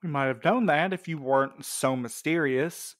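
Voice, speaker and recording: A man's voice: a little high, moderate pace, no room sound, close to an everyday voice. A man plays a courier in an audio drama, frank and a bit defensive. His delivery is conversational and the sound is close, with no room at all. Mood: sheepish, defensive. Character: frank, casual male courier, a little defensive. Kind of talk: scripted audio drama acting.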